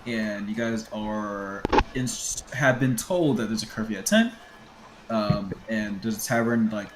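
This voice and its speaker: A man's voice: lowish voice, a little slow, reverberant, background noise. A young man narrating as game master, casual and given to laughs, ums and restarts.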